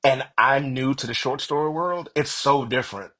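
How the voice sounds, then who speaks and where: Mid-pitched man chatting as an interview guest. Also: moderate pace, fairly bright tone. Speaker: podcast guest, fiction author. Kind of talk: casual conversational interview.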